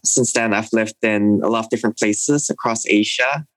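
A young man from Indonesia, speaking thoughtfully in a recorded interview and pausing with fillers as he reflects. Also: lowish voice, a bit bright, no room sound. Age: young adult. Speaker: interviewee, university student.

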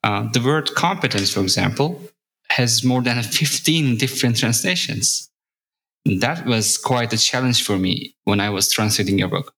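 A man from Turkey, a native Turkish speaker, talking in a measured, explanatory way as a podcast guest. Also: medium pitch, fairly bright tone, poor audio. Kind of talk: podcast conversation.

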